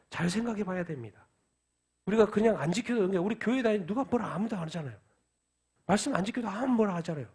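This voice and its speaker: A man's voice: sits high, darkish tone, slightly rough. A man preaching a midweek sermon who asks questions and answers them himself. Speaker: pastor. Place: church.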